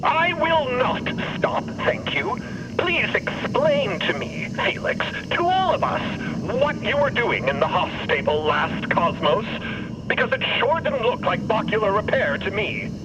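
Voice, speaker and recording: A haughty, vengeful robot in an audio drama. The voice is high and swoops widely, with precise, cutting words. It comes through a thin robotic radio filter. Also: male voice, sing-song, measured pace, dull audio, heavy background noise. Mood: accusing. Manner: pompous, cutting, precisely worded. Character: haughty, indignant male robot, vengeful and wounded.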